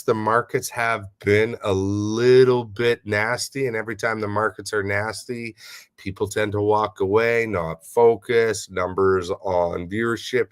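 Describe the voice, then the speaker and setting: Nasal, stuffy-voiced male host. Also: fairly low pitch. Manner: upbeat, shout-outs to listeners. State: nasal from a head cold. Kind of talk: casual livestream chat.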